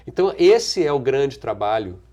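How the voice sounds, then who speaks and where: A middle-aged man with a Brazilian accent, an actor and singer answering interview questions thoughtfully, with restarts, trailing pauses and frequent chuckles. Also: medium pitch, big pitch swings, warm tone. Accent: Brazilian Portuguese. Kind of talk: relaxed conversational interview answers.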